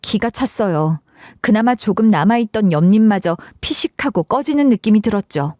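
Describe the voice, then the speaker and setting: A woman narrating a submitted story in first person, with an expressive, dramatic delivery. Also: medium pitch, normal speed, no room sound, clean studio sound.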